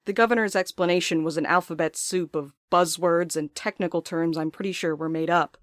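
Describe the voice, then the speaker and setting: An actor playing a thoughtful, uneasy writer in an audio drama, speaking in an articulate, literary, measured way. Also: medium pitch, fairly even intonation, no echo, studio quality, natural voice. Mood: troubled, confiding. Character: thoughtful, uneasy writer recounting observations in a private letter. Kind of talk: scripted first-person audio drama monologue.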